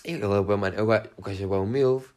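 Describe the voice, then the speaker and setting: A man's voice: on the low side, rapid-fire, a little mellow. A young man with a European Portuguese accent hosts a podcast in casual, slangy chat, repeating his points with enthusiasm. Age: young adult. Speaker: podcast host.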